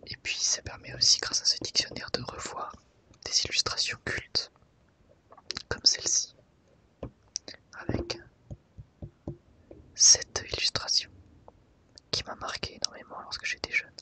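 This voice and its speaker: An ASMR host, whispering softly and unhurriedly while guiding listeners through a book. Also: rough recording. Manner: soft, unhurried guided browsing through a book.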